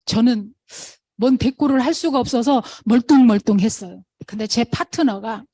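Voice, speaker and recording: A woman giving a motivational storytelling talk at a sales meeting, acting out the people she quotes in a raised, animated voice. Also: on the high side, moderate pace, no echo.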